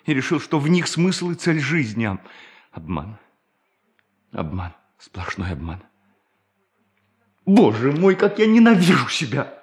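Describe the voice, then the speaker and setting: An actor playing a tormented, self-loathing hermit preacher in a radio drama, declaiming theatrically and repeating words for emphasis. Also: male voice, medium pitch, big pitch swings, a little slow, pauses often. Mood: anguished, bitter. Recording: music behind the voice.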